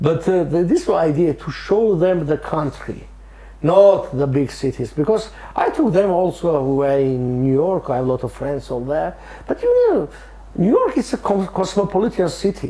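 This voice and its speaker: The pace is moderate. Noticeable background noise runs through the clip. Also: man. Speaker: interviewer. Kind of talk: casual conversation. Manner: halting, many fillers.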